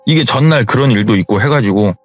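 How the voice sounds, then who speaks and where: A man's voice: mid-range voice, lively intonation, quick pace, faint music behind. A man casually retelling a true ghost story as a narrator, in a chatty, colloquial way. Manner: colloquial, retells with reported speech.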